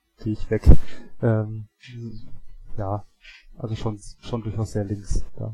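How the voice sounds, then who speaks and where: A man's monotone, flat speech at a fairly slow pace. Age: 20s. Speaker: podcast co-host, university student. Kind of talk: casual chat. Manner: hesitant with many fillers.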